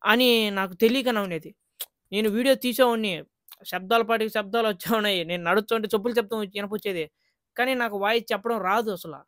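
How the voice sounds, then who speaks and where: A man's voice: high-pitched, fast, a bit bright, no echo, studio quality. A man vlogging in a casual, earnest way, chatting straight to his viewers.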